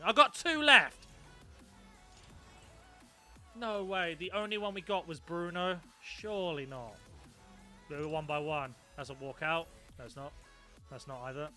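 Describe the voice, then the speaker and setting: A man's voice: high-pitched, bright, forceful tone. A young man chatting casually on a live stream, swearing freely and reacting to his viewers. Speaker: gaming streamer.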